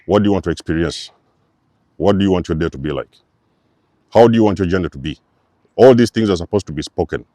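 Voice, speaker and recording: Deep, dark-voiced man preaching. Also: fast talker, long pauses, no echo, clean studio sound. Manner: emphatic, repetitive, preacher-like. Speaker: spiritual channel host. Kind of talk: spiritual teaching monologue.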